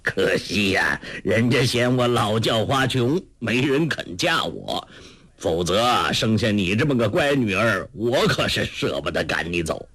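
A man voicing a gruff old beggar master. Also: sing-song, a little slow, fairly bright tone, no room sound, full character voice. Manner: low, gruff, chuckling.

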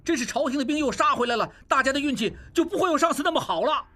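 A woman voicing a hot-headed young clansman who talks loud and fast in a storybook reading. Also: a little high, big pitch swings, husky, heavily acted. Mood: agitated. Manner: loud, rapid, blustering.

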